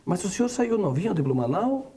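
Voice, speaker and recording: A male TV host with a gravelly, dark voice, warmly steering his guest through a sit-down interview. He asks leading questions in a relaxed, friendly way. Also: high voice, brisk.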